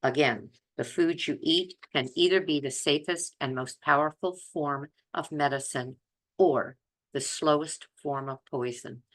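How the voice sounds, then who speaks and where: A woman's voice: low-pitched, a little slow, rough recording. An older woman talking casually to viewers as a health vlogger, earnest and emphatic, repeating words for stress. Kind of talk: casual, chatty talk to viewers.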